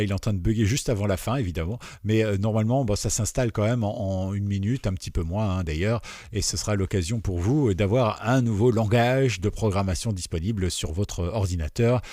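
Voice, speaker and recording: Chatty low-voiced man teaching. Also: warm tone, no room sound, clean studio sound. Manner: chatty, digressive, many fillers and repeats. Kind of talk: screen-recorded tutorial.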